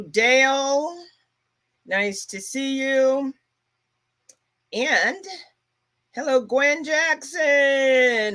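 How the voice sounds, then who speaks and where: Slow-talking woman hosting a livestream. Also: medium pitch, fairly bright tone. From Brooklyn, New York. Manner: chatty, greets viewers by name. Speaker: travel agency owner and livestream host. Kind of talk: casual livestream chat.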